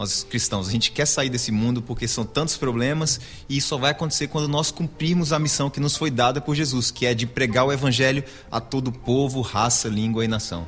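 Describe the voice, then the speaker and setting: Delivery runs fairly quickly. Pitch shifts by an ordinary amount. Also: man, medium pitch for a man. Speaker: mission volunteer organization president. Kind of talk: casual chat.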